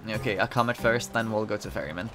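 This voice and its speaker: A man's voice: fairly low pitch, fast talker, pushed and bright, faint music behind. A man hosting a gaming video, giving informal, easygoing walkthrough commentary as he goes. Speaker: game video host. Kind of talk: casual walkthrough commentary, reading quest dialogue aloud.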